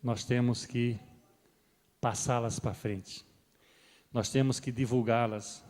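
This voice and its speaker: A middle-aged man preaching a sermon as pastor, swelling loud on key points and then dropping soft. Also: medium pitch, steady tone, slow pace. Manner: rises and swells with emphasis, then drops soft. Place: church hall. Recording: long reverb of a church hall.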